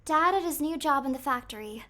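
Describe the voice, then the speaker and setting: Cute high-pitched anime-style woman streamer. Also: expressive, fairly quick, sharp tone. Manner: cute anime streamer, playful, murmurs to herself. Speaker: livestreamer playing a horror game. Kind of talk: casual gameplay commentary to chat.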